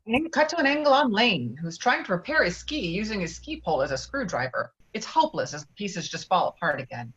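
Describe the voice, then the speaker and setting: A woman narrates the action lines of a screenplay at a virtual table read. Her pitch is medium. The recording is a little dull, like online call audio. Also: very animated, brisk, few pauses, fairly bright tone. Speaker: stage directions narrator. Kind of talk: scripted narration of screenplay directions.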